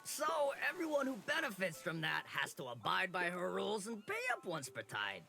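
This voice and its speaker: An actor playing an officious sea-creature tax collector in a video game, formal and impatient. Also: male voice, high voice, big pitch swings, moderate pace, vocal fry, pushed and bright, faint music behind, heavily acted.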